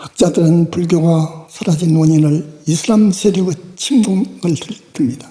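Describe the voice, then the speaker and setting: A man talks at a fairly slow pace in a high voice with ordinary pitch variation. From South Korea. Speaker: Buddhist monk giving a sermon. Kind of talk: Buddhist Dharma talk sermon.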